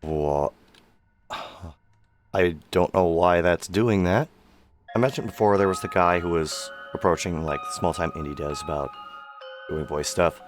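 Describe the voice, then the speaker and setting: Low-voiced man, worn-out streamer. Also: unhurried, faint music behind. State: worn voice from sickness and long streaming. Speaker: streamer, amateur voice actor. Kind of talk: casual live-stream commentary.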